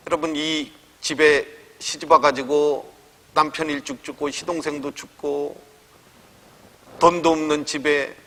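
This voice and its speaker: A man's voice: a little high, sharp tone. A man pastor delivering an emphatic sermon, acting out prayers with rising intensity. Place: church sanctuary. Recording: church hall reverb.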